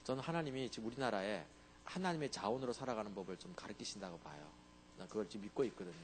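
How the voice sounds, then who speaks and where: A man's voice: lowish voice, expressive, rapid-fire, slight background noise. A male pastor preaching a sermon in a conversational way, often asking the congregation to agree with him.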